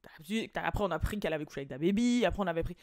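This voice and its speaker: A woman's voice: on the low side, animated, racing, a little mellow, no room sound, clean studio sound. A woman hosting a celebrity gossip podcast, talking in a rambling, chatty way full of fillers and restarts. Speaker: podcast host. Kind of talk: casual celebrity gossip chat.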